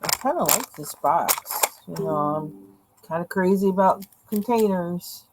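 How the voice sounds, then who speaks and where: Woman vlogger, slow rambling chat, lowish voice, losing her voice. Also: expressive, noisy background. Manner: rambling, many fillers, self-deprecating. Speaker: vlogger unboxing art supplies. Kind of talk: casual chat. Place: indoors at a home desk. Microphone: camera over the desk, hands seen.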